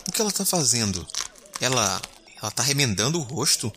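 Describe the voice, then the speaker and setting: A man's voice: mid-range voice, very animated, a little fast, noisy background, natural voice. A man with a Brazilian accent playing a bewildered, squeamish young explorer in a horror audio drama, colloquial and incredulous. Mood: horrified. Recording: music behind the voice.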